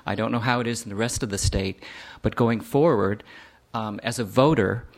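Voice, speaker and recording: A man calmly explaining his view as a voter during public comment. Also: fairly low pitch, normal speed.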